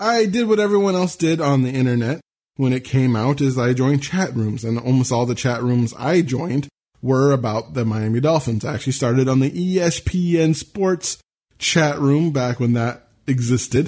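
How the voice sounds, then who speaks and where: A man with a plain, everyday voice speaks at a moderate pace, his pitch medium and his intonation lively. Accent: American. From Washington State, US. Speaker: podcast host and life coach. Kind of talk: casual interview podcast.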